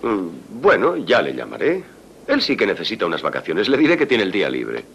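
A man's voice: low voice, brisk, creaky, full character voice. A man dubbing an easygoing, playful parish priest from an old film. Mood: cheerful. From Missouri. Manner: relaxed, good-humored, teasing. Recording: old film soundtrack with hiss.

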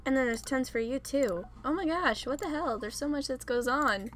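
A young woman with a high-sitting voice hosts a let's play at a moderate pace, soft music playing behind her. Chatty and giggly, she rambles casually, clicking through game menus and laughing at herself.

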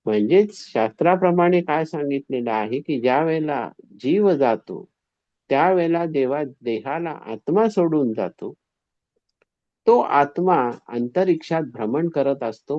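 A man's voice: a little high, a little slow, no echo. Man giving a devotional discourse. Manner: animated storytelling with lively quoted voices. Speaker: spiritual storyteller. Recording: dull, dry, slightly lo-fi recording.

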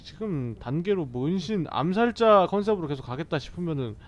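A man's voice: fairly high pitch, animated, brisk. A man giving casual let's-play commentary as a gaming streamer, joking and bantering with the characters on screen, recorded on a dull lo-fi mic.

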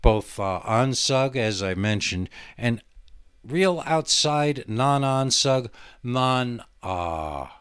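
A man hosting a podcast in a rambling, halting, musing solo monologue. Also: mid-range voice, lively intonation, a bit bright, clear, resonant tone, no room sound, clean studio sound. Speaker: podcast host.

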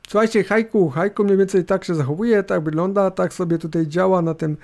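A middle-aged man with a fairly high, soft-edged voice narrates a screencast casually. He rambles informally and hesitates, tossing in little tag questions. His voice has a gravelly creak, and a laptop fan hisses behind him. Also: a little fast. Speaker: host of a tech review video. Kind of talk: casual, unscripted screencast commentary. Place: indoors at a computer. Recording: hissing laptop fan noise. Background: laptop fan hum.

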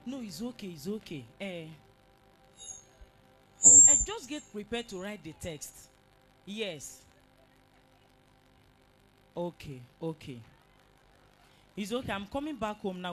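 A woman's voice: mid-range voice, lively intonation, unhurried, pauses often, slight background noise, close to an everyday voice. A young woman playing a confident Christian student who scolds and preaches.

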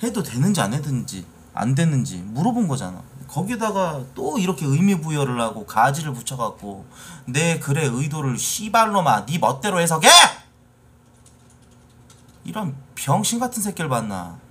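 A man ranting at his chat during a live stream, swearing and building into angry shouts. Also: mid-range voice, sing-song, normal speed, few pauses, a little hiss or hum. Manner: angry, profane, rising to shouting. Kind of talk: casual live-stream rant.

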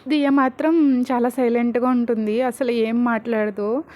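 A woman storyteller with a high voice, reading a serial story casually. She drifts into chatty asides as she goes. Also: fairly even intonation, normal speed, warm tone.

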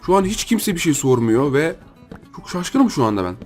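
A man's voice: a little high, very animated, normal speed, a little mellow, soft background music. A young man with a Turkish accent giving chatty gameplay commentary, thinking aloud and talking to his viewers as friends. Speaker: gaming YouTuber.

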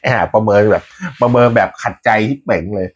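A man's voice: lowish voice, fairly quick, breathy edge. A man hosting a football fan channel, chatting casually to his viewers in a rambling way, laughing often and swearing a little. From Thailand.

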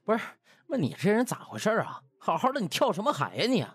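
A male reader plays a brash young man in a comic audiobook, indignant and blustering. His slightly husky voice swings wildly in pitch and is recorded close and dry. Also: huge pitch swings, fast talker, fairly bright tone, no room sound, exaggerated voice. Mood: pained, angry. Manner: blustering, muttering, colloquial griping. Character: Duan Lang, brash, indignant, foul-mouthed young man. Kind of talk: dramatized comic web-novel audiobook.

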